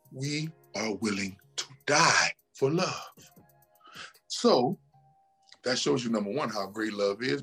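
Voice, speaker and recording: A man's voice: mid-range voice, bright, forceful tone, husky. A man talking as a podcast guest, preachy and emphatic, often repeating himself and asking "right?". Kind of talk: casual motivational talk.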